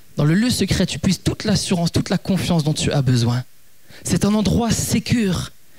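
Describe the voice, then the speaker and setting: High-pitched male speech at a moderate tempo, noticeable background noise behind it. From abroad, outside France. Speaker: youth pastor. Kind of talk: sermon. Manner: halting, with repetitions.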